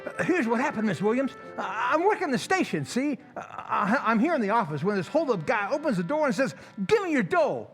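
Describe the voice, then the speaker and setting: A man's voice: very high-pitched, very animated, brisk, few pauses, fairly bright tone, faint music behind, exaggerated voice. A man playing a flustered, eager working-class station attendant in an old-time radio drama, stammering and rambling in slang.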